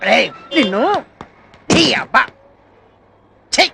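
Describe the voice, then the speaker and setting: A man acting as a fussy grocery shop owner who scolds his worker in a quick, excitable comic way, with film music behind. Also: very high voice, creaky, heavily acted. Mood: fretting. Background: film background music.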